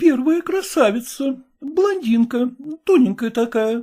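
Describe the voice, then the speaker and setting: In a squeaky, high put-on character voice, a woman speaks at a fairly slow pace. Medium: read story. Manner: sing-song, chatty.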